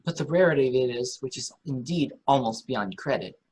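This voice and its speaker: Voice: medium pitch, lively intonation, brisk, darkish tone, breathy edge, poor audio. A performer reading a kindly, talkative, optimistic old courtier in a Shakespeare radio play, with earnest, wordy delivery. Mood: cheerful, wondering.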